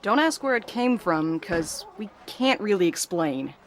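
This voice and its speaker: A woman acting in an audio drama as a wry, articulate character, speaking in a dry, measured way. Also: medium pitch, big pitch swings, slight background noise. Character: wry, blunt postal worker, also a reflective letter-writing ghostwriter. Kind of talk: audio drama dialogue and monologue.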